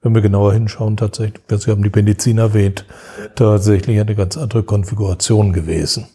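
A man's voice: fairly low pitch, fairly even intonation, a little fast, mellow, breathy edge. A man speaking as an expert guest in an interview, explaining history in a lecturing way, often restarting and searching for words. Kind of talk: academic interview talk.

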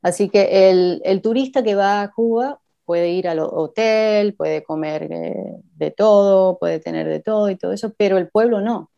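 Her voice is mid-range, creaky and warm, moving at a moderate pace as she talks casually as a guest. She has a mixed Cuban and Argentine Spanish accent, leans on frequent fillers, and drops in English phrases, all captured on a dull lo-fi recording.

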